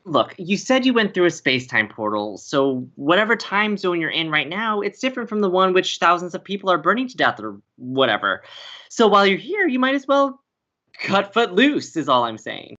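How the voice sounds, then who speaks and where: A woman's voice: fairly low pitch, sing-song, normal speed, fairly bright tone, lo-fi sound. A young woman acting as a breezy, romantic and theatrical college radio co-host in an audio comedy. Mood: breezy, amused. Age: young adult. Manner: playful, dramatic.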